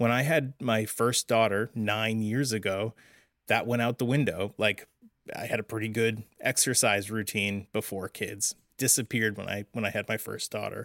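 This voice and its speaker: In a very clean recording with a silent background and a dry, close sound with no echo, a man uses an ordinary speaking voice at a medium pitch, a moderate pace and fairly even intonation. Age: 40s. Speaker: podcast host and father. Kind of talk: casual chat.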